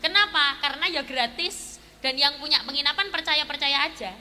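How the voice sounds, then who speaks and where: A woman preacher with a very high, bright, sharp voice tells a story in her sermon. She acts out its dialogue in animated voices. Her words ring through a large echoing hall. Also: moderate pace. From Indonesia. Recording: echoey hall with faint noise.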